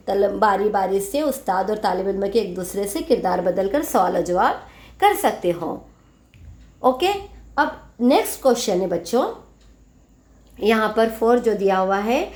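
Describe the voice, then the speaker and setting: A woman teacher explaining a school English lesson, reading English phrases slowly and explaining faster in her own language, often repeating phrases for pupils. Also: mid-range voice, darkish tone. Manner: switches between slow, drawn-out English and quicker Urdu explanation.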